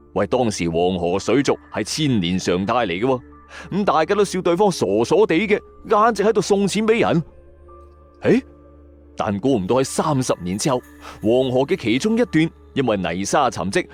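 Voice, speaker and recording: A man with a Hong Kong Cantonese accent narrating a scripted story in a dramatic, conversational and suspenseful storyteller's manner. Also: mid-range voice. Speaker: storytelling podcast host. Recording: music under the voice. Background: background music.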